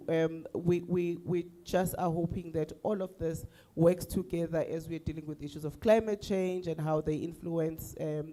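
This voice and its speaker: A woman's voice: sits low, mellow. A woman presenting at a conference panel, speaking hesitantly with frequent restarts and fillers.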